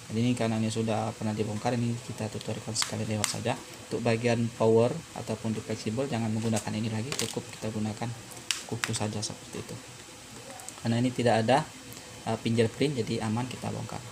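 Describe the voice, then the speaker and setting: A man with a slightly low, flat voice presents a hands-on tutorial. He explains step by step, haltingly, with frequent pauses. Clear background noise runs behind him in a homemade-sounding recording. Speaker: phone repair tutorial presenter. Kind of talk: informal hands-on tutorial narration.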